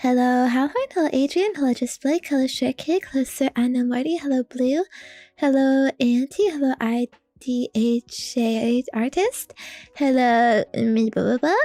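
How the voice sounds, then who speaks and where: A woman's high-pitched voice at a fairly slow pace, with ordinary pitch variation and very even loudness, in a dry, close sound with no echo and music in the background. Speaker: vtuber streamer. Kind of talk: casual livestream chat.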